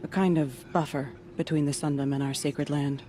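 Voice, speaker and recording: A woman's voice: low voice, fairly even intonation, normal speed, dark tone, a little hiss or hum, natural voice. A woman playing a stern, weary, proud tribal war leader in a video game cutscene. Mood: somber.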